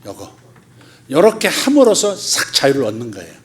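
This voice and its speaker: A middle-aged male pastor delivers a sermon in a fairly high voice. He talks colloquially and animatedly, laughs often, and jumps into loud, high bursts when he acts out the voices he quotes. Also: huge pitch swings, normal speed.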